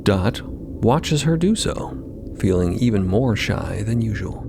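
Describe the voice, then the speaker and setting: A man's voice: on the low side, expressive, slow pace, noisy background. A man narrating an audio drama in a scripted storytelling style.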